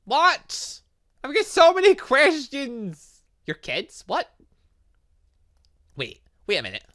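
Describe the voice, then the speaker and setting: A man's voice: very high-pitched, huge pitch swings, slow, pushed and bright. A man hosting a game playthrough, reading dialogue aloud and commenting in a theatrical, exclamatory way. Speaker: gaming video host.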